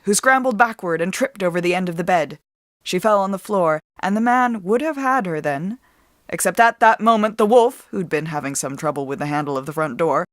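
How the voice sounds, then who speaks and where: A woman narrating a story as a dramatic reading, with deliberate, expressive storytelling. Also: on the low side, dry recording, studio quality. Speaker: author and storyteller.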